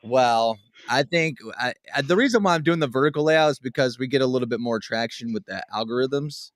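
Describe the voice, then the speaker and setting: A man's voice: mid-range voice, brisk, dry recording, clean studio sound. A man co-hosting a comedic podcast chat with a robotic, metallic-sounding voice and a hammy, showman-style delivery. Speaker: co-host.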